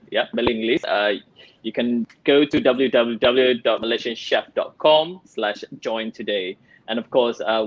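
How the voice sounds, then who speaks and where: Male host of an online cooking show, mid-pitched, loose and chatty; slightly lo-fi sound. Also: no echo. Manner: upbeat, rambling with fillers.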